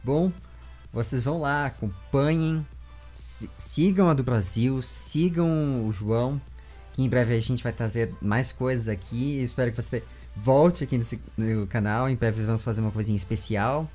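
A man's voice: medium pitch, normal speed, darkish tone, soft background music. A man in his twenties with a Brazilian accent, casually hosting an online interview and chatting to viewers. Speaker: interviewer and channel host. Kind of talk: casual video chat with viewers. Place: small room with bookshelves. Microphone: large studio microphone up close.

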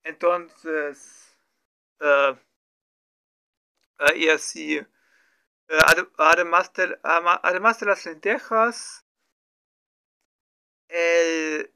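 A man practicing Spanish as a learner, talking slowly through an improvised story with many fillers, restarts and self-corrections. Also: on the high side, fairly even intonation, sharp tone, clear, resonant tone. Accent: non-native Spanish learner. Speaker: language learner streaming his practice. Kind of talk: halting improvised practice talk.

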